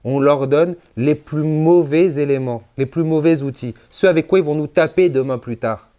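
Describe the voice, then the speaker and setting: A man, a rabbi, giving a conference sermon with emphatic rises and drops, mixing Hebrew religious terms into his speech. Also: normal speed. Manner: emphatic preaching, sudden rises and drops in pitch and loudness.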